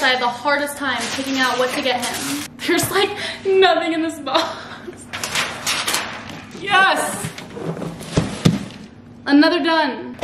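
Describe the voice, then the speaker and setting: High-voiced bubbly young woman vlogging. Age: young adult. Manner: bubbly, chatty, lots of "like" fillers. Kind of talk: casual chat to camera. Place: living room at home, indoors. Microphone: camera across a table. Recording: echoey room with background noise.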